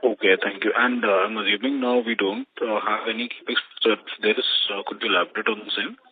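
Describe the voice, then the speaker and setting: A man's voice: on the low side, lively intonation, quick pace, gravelly, husky. A man asking questions as an analyst on an earnings conference call. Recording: narrow, dull phone line.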